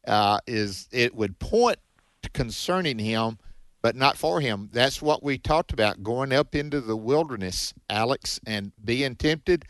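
A man's voice: mid-range voice, lively intonation, a little slow, no room sound. Male co-host of a call-in radio Bible show, folksy with callers, dry studio sound. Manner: folksy, affectionate, calls people brother.

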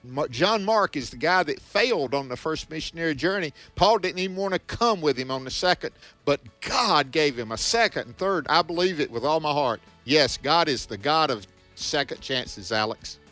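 Bright-voiced man hosting Christian radio. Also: a little high, expressive, normal speed, hardly any pauses, no room sound, faint music behind. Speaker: radio call-in co-host. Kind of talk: evangelical call-in talk, exhorting.

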